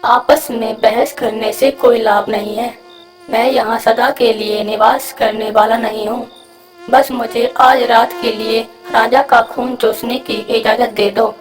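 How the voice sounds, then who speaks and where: A woman's voice: fairly high pitch, steady tone, unhurried, echoey room, distant mic, faint music behind, close to an everyday voice, rough recording. A woman voicing a cheeky, brash male mosquito in a children's cartoon, with a cocky, drawling delivery. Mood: sly. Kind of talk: cartoon voice acting.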